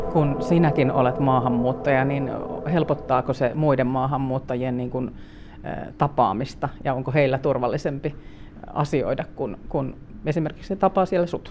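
Over noticeable background noise, the talking goes at a moderate pace. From Finland. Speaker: radio interviewer. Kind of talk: interview.

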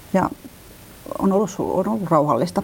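Moving at a fairly quick clip, a woman's voice rises and falls with ordinary pitch variation. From Finland. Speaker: aid worker. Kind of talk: interview.

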